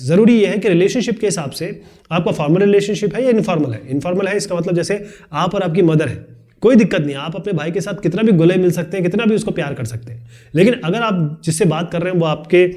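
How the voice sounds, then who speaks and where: A man teaching a video lesson, explaining quickly and chattily with joking asides. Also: high voice, darkish tone. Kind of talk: fast classroom video lesson.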